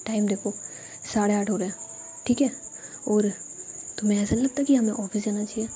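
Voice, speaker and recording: A woman's voice: mid-range voice, steady tone, fairly quick, dark tone, slight background noise, lightly acted. A woman voicing a playful, teasing young woman with a childish streak.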